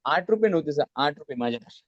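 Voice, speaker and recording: A man from Maharashtra, India, guests on a casual interview, recounting how he built his business in an earnest, plain-spoken manner with lots of restarts. His voice is a little high, animated and fast, captured in a dry, dull lo-fi recording.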